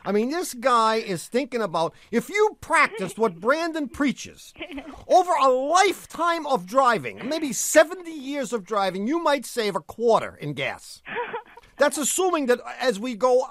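A middle-aged man, high-pitched and wildly lively, teasing and laughing as he co-hosts a call-in radio show. The sound is dry and close. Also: unhurried, dry recording. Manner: laughs often, teasing, wisecracking. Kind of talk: joking call-in chat.

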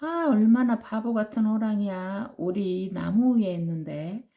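A woman's voice: medium pitch, unhurried, dark tone, pitched above the performer's own voice, lightly acted. A woman voicing a cheeky little girl who mocks a foolish tiger. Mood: mocking. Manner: mocking.

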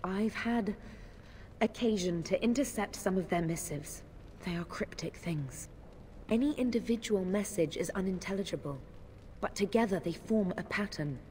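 An actress playing a poised, guarded young noblewoman in a fantasy video game, speaking in a measured, formal, conspiratorial manner. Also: mid-range voice, a little mellow, lightly acted. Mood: grave, conspiratorial. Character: poised, guarded young noblewoman informant, discreetly warning of plots. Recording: long hall reverb, noisy game ambience.

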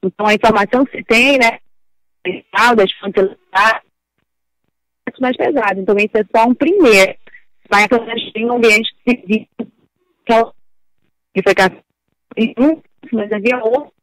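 A woman's voice: on the high side, moderate pace, long pauses, dry recording. A woman reporter giving live political commentary over a phone line whose audio keeps cutting out, so her words break up and repeat. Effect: choppy phone audio that cuts in and out. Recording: breaking phone connection, distant at moments.

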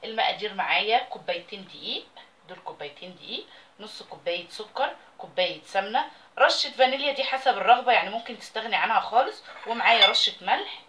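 A woman's voice: medium pitch, expressive, quick pace, fairly bright tone, a little hiss or hum. A woman with an Egyptian Arabic accent, hosting a home cooking video and chatting casually while she works with her hands. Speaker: cooking channel host. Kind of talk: casual recipe demonstration.

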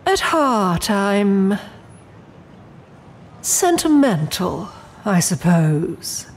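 A woman's voice: medium pitch, very animated, drawn-out words, a little hiss or hum, heavily acted. A woman playing a poised, menacing immortal demon in an audio drama, speaking in a genteel, coolly imperious way. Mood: composed, reflective.

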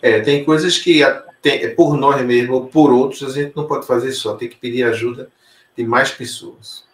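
Calm man interviewer in an echoey room. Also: medium pitch, normal speed. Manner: calm, affirming, adds spiritual reflections. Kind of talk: reflective interview conversation.

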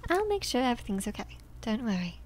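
Loyal female nurse, played by a woman, slightly high and breathy, gentle, deferential ASMR delivery. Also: big pitch swings, quick pace. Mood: attentive, reassuring. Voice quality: soft, breathy. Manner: deferential, reassuring. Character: dutiful, caring female nurse serving mafia boss. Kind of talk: ASMR roleplay.

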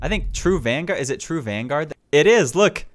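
A young man in his twenties, a gaming YouTuber, commenting on his old videos with animated, self-mocking asides into a headset mic at home. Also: a little high, normal speed, noisy background. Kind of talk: reaction commentary. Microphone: headset with boom mic.

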